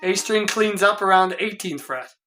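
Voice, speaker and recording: This hoarse-voiced, middle-aged guitar tech talks through a problem in his home workshop for a casual vlog, sounding puzzled and exasperated. He speaks high and sharp at a normal speed, captured by a camera several feet off.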